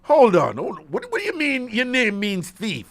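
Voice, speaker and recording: A radio talk show host with a Jamaican accent runs a live call-in show, playfully teasing callers and echoing their answers back. His voice is extremely high-pitched with wildly swooping pitch, at a normal speed.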